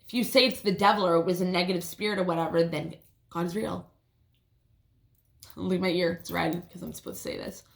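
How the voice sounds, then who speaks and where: Woman vlogger with a lisp, gravelly fry, roomy echoey sound, casual and profane. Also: lowish voice, steady tone, brisk, long pauses. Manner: casual, swears often, restarts sentences. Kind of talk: rambling personal storytelling. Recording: roomy echo.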